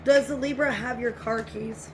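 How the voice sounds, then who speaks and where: A woman's voice: on the high side, steady tone, normal speed. A woman giving a casual tarot reading to viewers, speaking in a repetitive, reassuring way, with her voice getting scratchy. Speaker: tarot reader.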